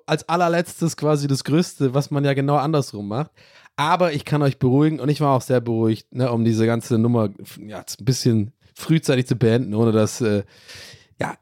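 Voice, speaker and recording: A man's voice: a little high, a little mellow, no echo, studio quality. A man co-hosting a podcast, telling a story in a casual, self-mocking way and laughing often. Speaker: podcast co-host.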